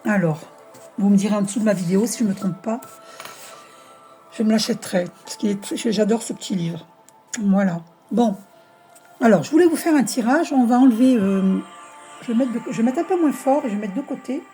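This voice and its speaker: A woman's voice: medium pitch, animated, a little fast, long pauses, mellow, faint music behind. A woman hosting her own spiritual channel, talking casually to camera while she reads oracle cards, rambling and searching for words with many fillers. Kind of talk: casual spiritual monologue, card reading.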